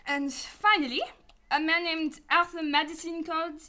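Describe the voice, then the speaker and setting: A woman playing a sassy, irreverent detective's assistant in a sci-fi radio drama, breezy and deadpan. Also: extremely high pitch, moderate pace. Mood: breezy, wry. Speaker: actress in a radio play.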